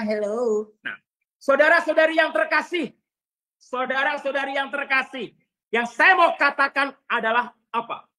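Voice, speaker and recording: A male Catholic priest giving a sermon in an animated storytelling manner. He often turns to address the congregation directly and sometimes raises his voice to a shout for emphasis. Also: extremely high pitch.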